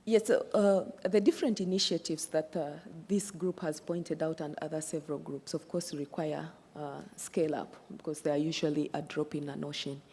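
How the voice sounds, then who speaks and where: A woman panelist speaking in a measured, deliberate way. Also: low voice, fairly even intonation, mellow, husky, in a large hall. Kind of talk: panel discussion remarks.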